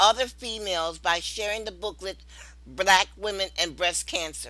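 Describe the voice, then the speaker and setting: A woman speaks with a bright, sharp tone, vocal fry and fairly even intonation. The recording is very clean with a silent background. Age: 70s. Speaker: breast cancer survivor and advocate. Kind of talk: testimony and appeal.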